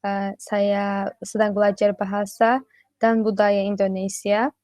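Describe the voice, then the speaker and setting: A woman's voice: mid-range voice, flat delivery, measured pace, darkish tone, dry recording. An eighteen-year-old native Turkish woman with a Turkish accent, giving casual interview answers as a language student. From Turkey.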